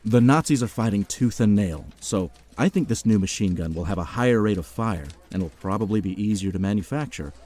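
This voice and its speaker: A man's voice: low voice, dark tone. A man voicing a cocky, street-tough American soldier in his late twenties in an audio drama, respectful to rank but full of dry bravado. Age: 20s.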